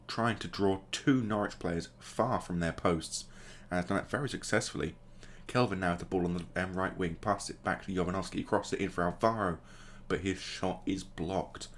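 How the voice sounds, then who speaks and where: Man, deep voice, casual let's-play commentary, play-by-play with jokey asides. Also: fairly bright tone, slight background noise. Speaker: gaming channel host.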